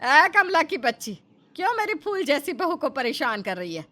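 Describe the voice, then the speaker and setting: A woman's voice: high-pitched, big pitch swings, moderate pace, sharp tone, full character voice. A woman voicing a fussy, doting middle-aged mother-in-law in a cartoon, theatrical in her scolding and fondness. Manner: scolding then affectionate, theatrical. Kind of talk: Hindi cartoon voice acting.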